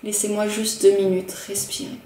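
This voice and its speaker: A woman teaching emotional tapping techniques in a gentle, repetitive, instructional manner. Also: mid-range voice, level tone, normal speed. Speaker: EFT practitioner. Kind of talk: calm instructional talk. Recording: roomy sound from a distant mic with faint noise.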